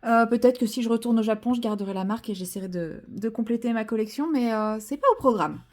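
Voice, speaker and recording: A woman's voice: a little high, fast. A woman chatting casually while she paints, full of fillers and self-deprecating asides. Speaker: vlogger.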